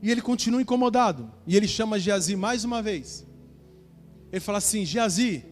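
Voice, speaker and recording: A man's voice: sits high, fairly quick, faint music behind. A male pastor preaching a sermon, telling a Bible story with acted dialogue and speaking straight to the congregation. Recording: church hall with reverb.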